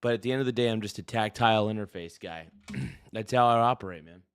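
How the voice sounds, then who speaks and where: A man hosts a live stream, chatting casually with viewers while gaming in a laid-back way and sprinkling in "dude" and "brother." His voice is fairly low, fast, clear and resonant.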